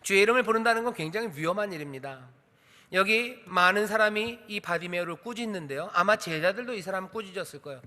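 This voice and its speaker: Male pastor, high bright voice, emphatic sermon delivery, echoing church hall. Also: fast talker. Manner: emphatic preaching with rhetorical questions. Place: church sanctuary.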